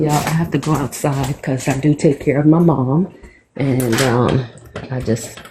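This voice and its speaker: A woman speaks at a very deep, low pitch and a fairly slow pace, with fairly even intonation and long, frequent pauses. Background noise is noticeable. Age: 60s. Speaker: caller. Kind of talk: testimony. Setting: outdoors. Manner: halting.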